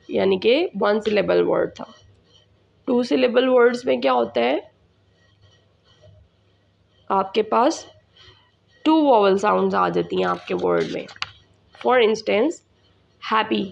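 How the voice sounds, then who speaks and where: A woman teacher, explaining an English lesson slowly and repeating words for her students. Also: mid-range voice, vocal fry, darkish tone, dull audio. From Pakistan.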